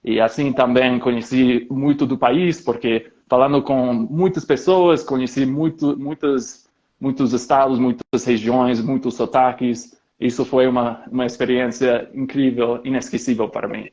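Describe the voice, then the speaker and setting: A man with as his chats steadily in Portuguese. His voice is middle-pitched. The sound is dull and lo-fi, as if through a modest mic. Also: moderate pace. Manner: steady, asks his partner questions. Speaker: co-host, polyglot. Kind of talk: casual chat.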